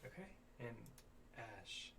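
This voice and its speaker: A man's voice: slow, very noisy. A man running a tabletop game who guides the players through character creation in an easygoing, encouraging way. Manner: easygoing, laughs lightly, gently encouraging. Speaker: game master.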